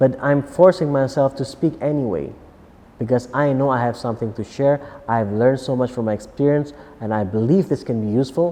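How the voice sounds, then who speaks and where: A man with a non-native accent, medium pitch, ordinary pitch variation and a fairly quick pace. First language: not English. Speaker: self-help coach. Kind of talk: motivational talk.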